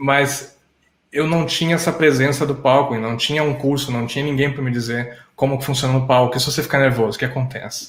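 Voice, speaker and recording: Somewhat breathy, a man with a fairly high pitch speaks in a monotone, flat intonation. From Brazil. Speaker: tech solutions architect and conference speaker. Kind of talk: interview. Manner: halting.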